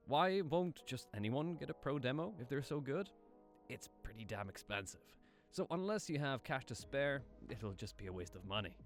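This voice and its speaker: An aspiring voice actor narrates a casual explainer video in an informal, self-deprecating style, asking rhetorical questions along the way. His voice is mid-range.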